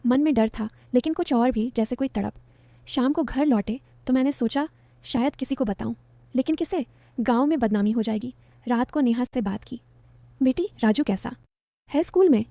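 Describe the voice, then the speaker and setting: A woman's voice: a little high, moderate pace, warm tone, no room sound. A woman narrating a story in the first person, in a confiding, dramatic way.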